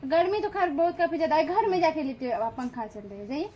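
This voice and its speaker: A woman's voice: sits high, sing-song, fast talker, highs cut off, a little hiss or hum. A woman vlogging casually from a rural farmyard, chatting to her viewers as friends. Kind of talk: casual vlog narration.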